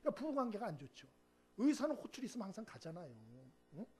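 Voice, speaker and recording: A man preaching as a pastor, telling stories with lively acted-out quotes and asking the congregation for responses. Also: high-pitched, quick pace, husky. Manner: animated storytelling, acts out quoted speech, asks the congregation "응?". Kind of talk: sermon.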